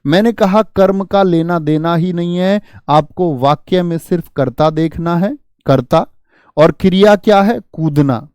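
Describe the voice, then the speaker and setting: A man's voice: fairly high pitch, unhurried, darkish tone, clean tone, no room sound, clean studio sound. A man teaching a grammar lesson, asking his students questions and answering them himself. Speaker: Hindi teacher.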